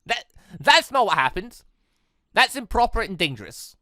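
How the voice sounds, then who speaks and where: Young game heiress acted by a narrator: proud, easily flustered, earnest, bright and dry-sounding. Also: medium pitch, very animated, normal speed, no room sound, voice pushed up. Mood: flustered, defensive.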